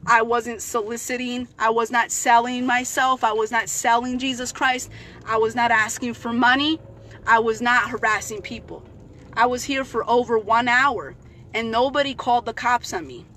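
A woman's voice: on the high side, steady tone, normal speed, fairly bright tone, a little hiss or hum. A woman in her thirties talking into a phone held at arm's length inside a parked car, fervently addressing her viewers and repeating praise like a street evangelist. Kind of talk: casual vlog, preachy exhortation.

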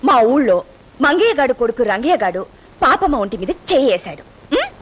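Prudish naive young wife. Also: female voice, sits high, very animated, brisk, husky, muffled recording, heavily acted. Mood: storytelling. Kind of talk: film comedy acting.

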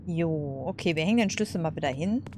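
A woman's voice: low voice, animated, quick pace, noisy background. A woman casually commenting over a game, chatty, laughing and cursing at setbacks. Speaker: let's play host.

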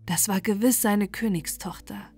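Calm woman reading a bedtime fairy tale. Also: mid-range voice, normal speed, slightly rough, faint music behind. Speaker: storyteller.

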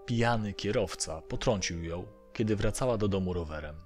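A man's voice: on the low side, moderate pace, darkish tone, soft background music. A man narrating a first-person horror story from a script. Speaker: narrator of audio horror stories.

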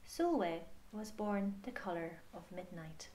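Slow-paced woman reading a children's story. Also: medium pitch, a little hiss or hum. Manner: measured, expressive, with pauses. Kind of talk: picture book read-aloud for children.

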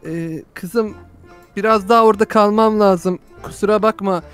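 A woman voicing a kind soldier father saying goodbye to his family in a game story, talking gently and reassuringly. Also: mid-range voice, fairly even intonation, moderate pace, clear, resonant tone, soft background music, lightly acted. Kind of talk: Roblox role-play storytelling.

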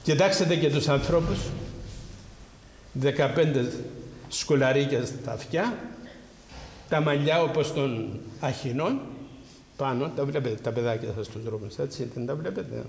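A man's voice: mid-range voice, creaky, pauses often, a little mellow. Man, priest, preaching sermon, rhetorical questions, roomy hall, long echo, faint noise. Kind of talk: spiritual talk to a congregation.

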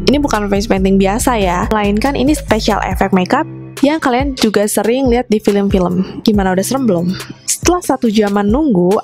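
A woman's voice: fairly high pitch, darkish tone. A young woman narrating a casual restaurant review vlog in a chatty way, often addressing viewers as guys. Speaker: vlogger.

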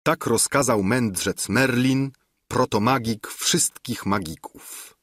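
A man reading a classic novel aloud as an audiobook narrator, with a lively, expressive delivery. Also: medium pitch, slow, breathy edge, no room sound, clean studio sound.

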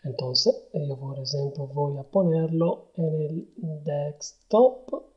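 A man giving a hesitant step-by-step software tutorial, with many pauses and fillers. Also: a little high. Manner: hesitant, many ums and ers. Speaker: tutorial host. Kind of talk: screen-recorded software tutorial. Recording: dull lo-fi voice-over.

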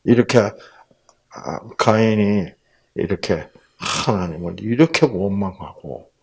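A man giving a Bible lecture to an audience, often putting rhetorical questions to his listeners and acting out quoted lines in sudden loud bursts. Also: fairly low pitch, slow pace, slightly rough.

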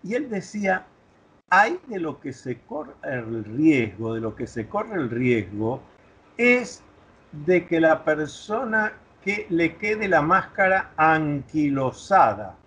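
A man's voice: on the high side, big pitch swings, takes it slowly, a bit bright, slightly rough, low-quality recording. An older man speaking thoughtfully in a reflective conversation, explaining ideas with a few restarts over a video call from a home study. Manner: thoughtful, lecturing, with filler restarts. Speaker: interview guest.

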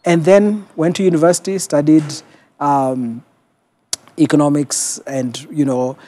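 A middle-aged man with a Kenyan accent and a voice a little higher than average. He is a pastor telling his own story in a television studio interview, reflective and measured, pausing as he goes. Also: steady tone, warm tone. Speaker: guest, senior pastor. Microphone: lapel mic.

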